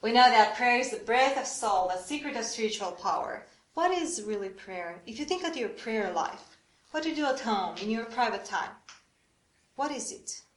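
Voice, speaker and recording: Woman presenter, higher voice, asks the room questions, echoey hall. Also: lively intonation, normal speed. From Romania. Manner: engaging, asks the audience questions. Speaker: prayer workshop presenter. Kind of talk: church workshop talk.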